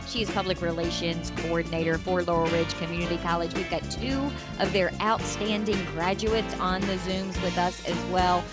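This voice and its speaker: A woman's voice: on the low side, steady tone, moderate pace, hardly any pauses, over loud music. A woman hosting a radio show, chatting with a guest over a video call and asking friendly questions.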